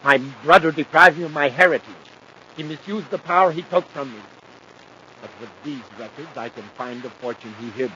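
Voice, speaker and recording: An actor playing a vain, imperious aristocratic villain in a 1950s radio adventure, pompous, grandiose and theatrical. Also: male voice, fairly high pitch, brisk, bright, forceful tone, husky. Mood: scheming, aggrieved. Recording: muffled, noisy 1950s radio recording.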